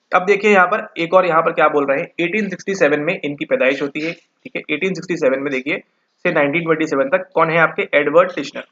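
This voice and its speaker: A man giving an online exam-prep lecture, often asking questions and answering them himself, and ending points with a quick check-in. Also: on the high side, pushed and bright. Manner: rhetorical questions answered himself, repeats "ठीक है". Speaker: psychology exam tutor. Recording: dull lo-fi audio.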